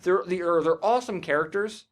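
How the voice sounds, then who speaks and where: A man's voice: high-pitched, a little fast. A man co-hosting a podcast, chatting casually about games in a rambling, enthusiastic and profane way. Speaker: podcast co-host. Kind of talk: casual gaming chat.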